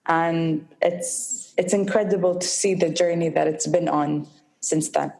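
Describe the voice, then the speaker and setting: A young woman from the United Arab Emirates answers interview questions in a slightly low voice. She speaks slowly and carefully, with a mild stutter and small pauses as she works through her words. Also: flat delivery, creaky, warm tone, rough recording. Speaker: guest, social entrepreneur. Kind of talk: interview conversation.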